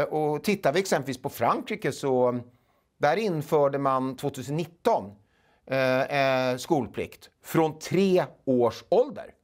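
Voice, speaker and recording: Swedish man in his 40s, interview guest, halting delivery, lots of fillers, lapel mic. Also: mid-range voice. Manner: halting, many filler sounds. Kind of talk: studio interview. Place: small studio.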